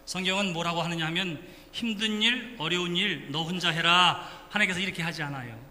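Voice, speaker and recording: A man with a high-pitched, bright, pushed voice speaks fairly quickly, leading a playful children's sermon as pastor and calling the kids by name to coax them. There's a live demonstration in the church sanctuary, and the reverberant hall carries faint room noise.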